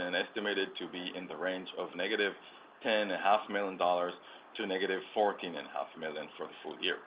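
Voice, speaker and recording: A man in the role of a finance executive reads prepared remarks formally on an earnings call. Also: sits low. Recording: dull conference call, clear background noise.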